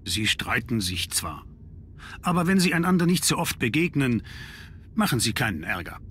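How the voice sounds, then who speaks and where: A curt, bright-toned nobleman. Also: medium pitch, very animated, normal speed, a little hiss or hum. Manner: curt, dismissive. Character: irritable nobleman, curt and aloof. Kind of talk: game dub.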